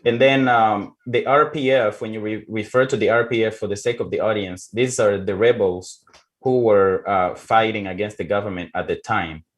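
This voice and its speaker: Low-voiced man hosting an interview. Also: steady tone, moderate pace. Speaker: talk show host. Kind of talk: interview hosting with explanations for the audience.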